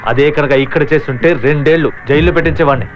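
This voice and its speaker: A man's voice: on the high side, fairly even intonation, rapid-fire, slight background noise, lightly acted. A man dubbing a haughty, fussy brother-in-law who mixes in English, in a film dub. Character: pompous citified brother-in-law, fussy and hungry. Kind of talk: dubbed film dialogue. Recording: dull dubbed film audio.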